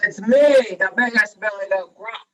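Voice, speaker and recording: Storybook big billy goat, acted by a woman: male, loud, defiant, forceful and fearless. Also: mid-range voice, measured pace, distant mic, close to an everyday voice. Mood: bold. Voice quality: loud, shouting.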